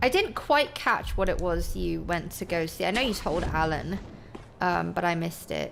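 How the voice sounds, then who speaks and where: Moderately paced speech from a woman with an American accent, audible room echo around her. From England. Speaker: video game streamer. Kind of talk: casual live-stream chat.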